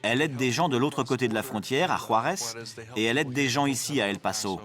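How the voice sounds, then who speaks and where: A man's voice: mid-range voice, a little fast. A man dubbing a home makeover designer, talking in an earnest, reflective way. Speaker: renovation team designer. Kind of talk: dubbed reality-show voice-over. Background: background music.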